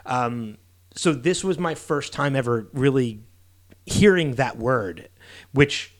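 A man's voice: medium pitch, animated, takes it slowly. A man hosting a casual movie podcast, talking loosely with many restarts. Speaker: podcast host.

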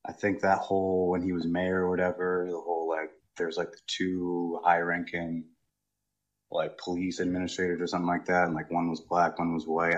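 A man calling into a talk show, with a deep voice and a loose, rambling way of talking full of fillers. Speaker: caller. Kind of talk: casual call-in chat. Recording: dull low-fidelity call audio.

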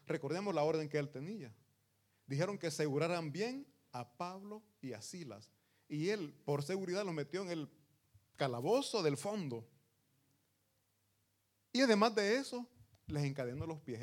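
A man, a pastor, preaching a sermon and calling his listeners brothers, slowing down to stress scripture and swinging between loud rises and soft drops. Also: a little high. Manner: slows down to stress lines of scripture.

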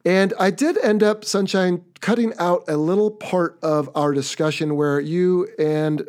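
A man's voice: high voice, steady tone, measured pace, a little mellow. An American man hosting a podcast, chatting casually and upbeat as he wraps up an episode. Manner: upbeat, chatty, wrapping up the show. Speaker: podcast host.

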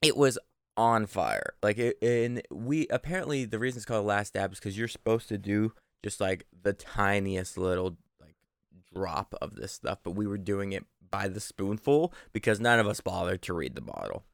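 A podcast co-host tells stories in a casual, informal, mildly profane way. His lowish, gravelly voice is expressive and moderately paced, recorded clean in a studio with no room sound.

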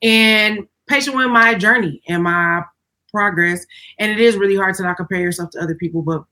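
A woman's voice: medium pitch, brisk, pushed and bright. A woman host with an African American English accent, chatting casually and motivationally, emphatic and often checking in with the listener. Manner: emphatic, repeats phrases, frequently checks in with "right?" and "okay?". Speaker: podcast host.

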